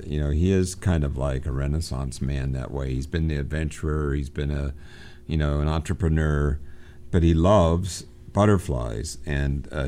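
On a recorded program, a man with a very low, mellow voice teaches literature. He speaks unhurriedly, often pausing on fillers and starting his sentences over.

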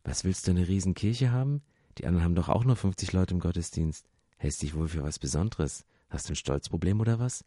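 A man voicing a crowd of scornful people who hush and belittle someone. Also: fairly quick, dry recording, studio quality. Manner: hushing, belittling, low. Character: scornful male crowd of naysayers.

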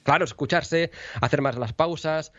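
A man from who is a radio broadcaster and voice teacher, speaking in a lively conversational way and losing his voice a bit. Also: fairly high pitch, moderate pace, no room sound, highs cut off. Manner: lively, teaching with mock intonation examples. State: losing his voice, sipping water. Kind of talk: conversational interview.

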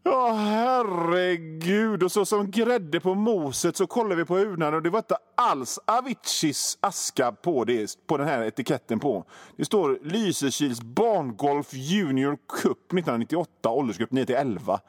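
Lively, animated male radio host. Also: on the high side, hardly any pauses, dry recording, studio quality. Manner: absurd tall tales told with lively swings and swearing. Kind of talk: comic storytelling on radio.

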